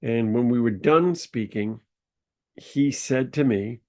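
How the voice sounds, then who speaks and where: A man speaks slowly in a mid-range voice while hosting a podcast. His sinus infection makes him sound nasal and congested, and his storytelling is rambling and casual, peppered with ums and uhs.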